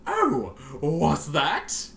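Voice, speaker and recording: A man voicing a cruel female pony sorceress from a story, taunting in a drawn-out, theatrical way. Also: fairly high pitch, wildly swooping pitch, creaky, a bit bright, voice pushed up, exaggerated voice. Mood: mocking. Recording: roomy, faintly noisy home recording.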